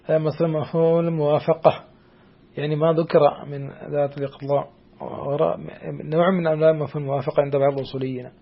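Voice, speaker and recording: Man, teacher, gravelly husky voice, halting, many fillers, checks with his student. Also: fairly high pitch, flat delivery, dull audio. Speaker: teacher of Islamic jurisprudence. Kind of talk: explaining a classical text to a student.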